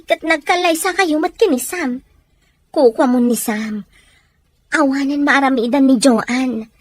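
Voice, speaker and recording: A woman's voice: high-pitched, no room sound. A woman playing a younger woman in a family audio melodrama, speaking emphatically with a Filipino accent. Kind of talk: Ilocano audio drama acting.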